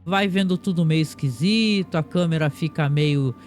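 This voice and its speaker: High-voiced man recapping a film. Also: normal speed, soft background music. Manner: chatty, frequent tag questions and restarts. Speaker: podcast host. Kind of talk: casual plot recap.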